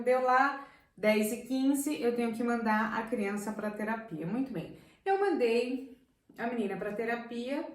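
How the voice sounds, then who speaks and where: A woman teacher telling a classroom story to viewers, animated and talking to them directly. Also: a little high. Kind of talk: educational video talk. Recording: echoey room, voice from a distance.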